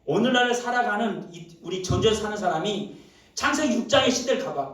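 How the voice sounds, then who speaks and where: A man preaching in a church, his fairly high voice ringing through a very echoey hall and sounding set back from the mic. He drops to low murmurs, then bursts into loud exclamations, and keeps throwing rhetorical questions at his listeners. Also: distant mic. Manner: asks the congregation rhetorical questions. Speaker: pastor. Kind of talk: sermon. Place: church sanctuary.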